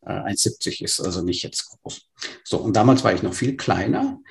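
Brief: gravel-voiced man in his fifties, born in Burma, interview guest, halting and thoughtful. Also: lowish voice, very animated. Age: 50s. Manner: hesitant, many fillers and restarts. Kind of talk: conversational interview storytelling.

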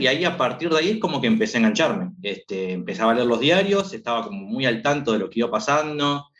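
A man in his thirties from Argentina, with an Argentine accent, talking casually as a guest and filling his pauses with "este". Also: medium pitch, lo-fi sound. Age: 30s. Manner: rambling, lots of filler "este". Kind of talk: casual chat.

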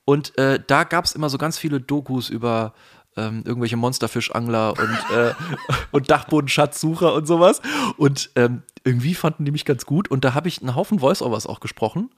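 A man from the Palatinate region of Germany with a faint Palatinate German accent, a voice actor speaking thoughtfully in a relaxed interview, pausing often with fillers. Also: mid-range voice. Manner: thoughtful, hesitant, many fillers. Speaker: guest, voice actor. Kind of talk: casual conversational interview.

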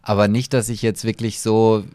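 A man's voice: on the low side, little pitch movement, normal speed, dark tone, dry recording. Podcast guy ribbing his cohost, sarcastic, lots of stop-start, dry sound. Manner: teasing, hesitant restarts, dry sarcasm. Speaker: podcast co-host. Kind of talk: casual podcast chat.

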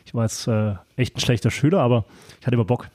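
A man's voice: medium pitch, fast talker, a little mellow, dry recording, clean studio sound. A young man hosting an interview podcast in a casual chat, chatty and eager, with frequent affirmations. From southern Germany. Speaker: podcast host.

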